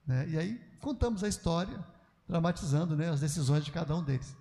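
Older Brazilian pastor teaching, casual and chatty, slightly high voice. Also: male voice, lively intonation, fairly quick, warm tone, long reverb tail. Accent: Brazilian Portuguese. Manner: conversational, folksy asides with frequent "né?". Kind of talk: church class lecture.

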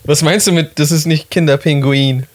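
A man in a casual podcast chat, easygoing and quick to laugh, often reacting with disbelief. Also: fairly high pitch, steady tone.

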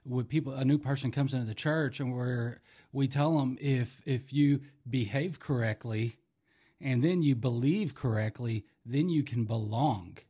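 A man, a podcast co-host and former youth leader, chatting casually in a halting way with many restarts. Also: mid-range voice, dark tone, breathy edge. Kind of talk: casual chat.

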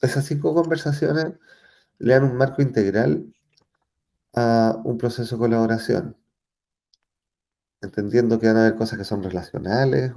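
A man from Chile with a Chilean accent, talking as an interview guest in a thoughtful way, often pausing and restarting as he searches for words. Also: fairly low pitch, gravelly, dark tone. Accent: Chilean Spanish. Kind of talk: reflective conversational interview.

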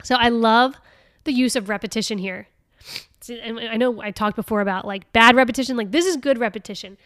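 A woman hosting a casual solo podcast, chatty and laughing often, reading passages aloud with lively expression. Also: a little high, quick pace, dry recording, clean studio sound. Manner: chatty, laughing often, with many fillers and restarts. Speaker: podcast host.

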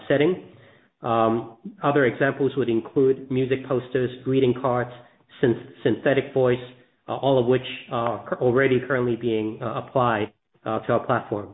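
Businessman answering over a phone line. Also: medium pitch. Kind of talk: measured business answer on earnings call.

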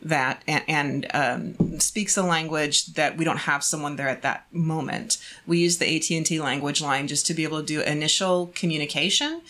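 A woman's voice: low-pitched, moderate pace, few pauses, fairly bright tone. A woman speaking as an agency representative, explaining services in an interview.

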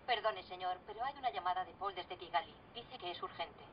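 An actress playing a polite secretary who announces an urgent call, in a film dub. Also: female voice, fairly low pitch, fairly quick, a little hiss or hum, natural voice. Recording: dull film soundtrack.

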